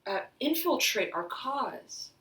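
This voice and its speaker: A woman giving an intuitive tarot reading, halting and searching as she talks, slightly hoarse, often saying "right" and "I'm hearing.". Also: a little high, sing-song, a bit bright, recorded from a distance. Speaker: tarot reader. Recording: roomy echo, voice off-mic.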